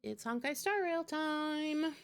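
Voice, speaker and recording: Over game music, a female streamer takes her time chatting casually with viewers and teasing herself. Her voice is high and her intonation lively.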